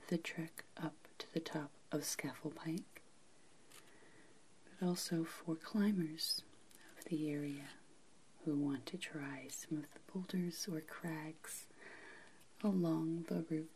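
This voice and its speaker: Soft-spoken voice with an American accent, very slow pace and long, frequent pauses, over light background noise. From United States. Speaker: ASMR creator. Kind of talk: ASMR map tracing narration.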